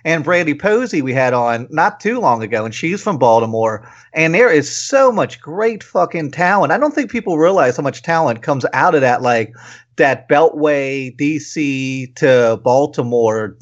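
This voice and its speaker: Casting: American male podcast host, fairly high voice, enthusiastic and profane chat, slightly dull lo-fi sound. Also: animated, normal speed. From Maryland, USA. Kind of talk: casual podcast interview chat. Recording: dull lo-fi audio.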